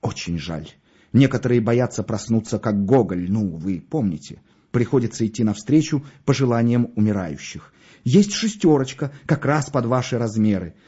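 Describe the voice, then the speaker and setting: A man voicing a smooth-talking middle-aged undertaker who gushes over his wares. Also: medium pitch, lively intonation, normal speed, dark tone, highs cut off. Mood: unctuous. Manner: salesman's patter, swooping with enthusiasm. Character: oily, gushing middle-aged male undertaker.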